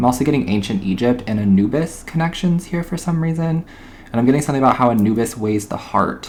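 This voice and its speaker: A man talks very fast at a medium pitch, with noticeable noise in the background. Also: lively intonation. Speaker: tarot reader. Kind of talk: tarot reading. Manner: loud; animated.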